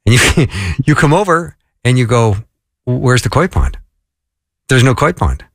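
A man hosting an interview, asking questions in a conversational, lively way. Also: mid-range voice, measured pace, no echo, clean studio sound. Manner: conversational, animated when making a point. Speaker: interview host.

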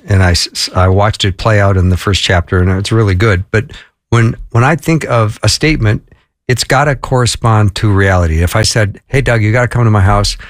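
A man hosting an interview, asking questions in a conversational, lively way. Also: on the low side, no room sound, studio quality. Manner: conversational, animated when making a point. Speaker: interview host.

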